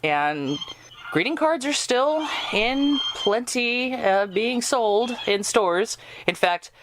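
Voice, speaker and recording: A woman's voice: fairly high pitch, animated, slow pace, a little hiss or hum, low-quality recording. A woman in a casual interview, chatting away as a storyteller who acts out the lines she quotes. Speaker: radio drama writer being interviewed. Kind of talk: casual interview chat with anecdotes.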